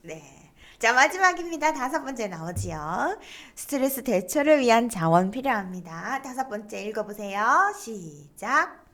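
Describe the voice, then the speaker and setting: Lively woman lecturer prompting her class. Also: a little high, moderate pace, few pauses. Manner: lively, prompts students to read aloud. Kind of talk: online lecture on stress coping.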